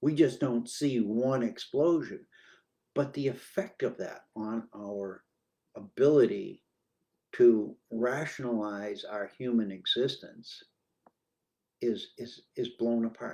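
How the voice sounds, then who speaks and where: At a very slow pace, a man speaks with long, frequent pauses. His voice is dark and mellow, medium in pitch, with ordinary variation. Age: 70s. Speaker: spiritual talk show host. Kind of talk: spiritual talk, live stream monologue. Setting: live video stream. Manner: halting, with fillers and repetitions.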